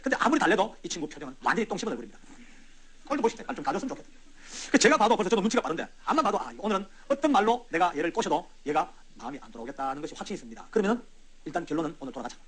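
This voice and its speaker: Fast, lively preacher man. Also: high-pitched. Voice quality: wide swings from loud to hushed. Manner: animated, conversational, talks straight to the audience. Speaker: church elder giving a testimony. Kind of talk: storytelling testimony sermon.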